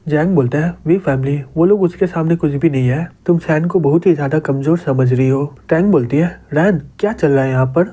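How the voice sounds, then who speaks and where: A man's voice: on the high side, brisk, hardly any pauses, dark tone. A man with a Hindi accent retelling a comic story, reading the characters' lines in his own plain voice. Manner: plain retelling, quotes read without doing voices. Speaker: comic recap narrator.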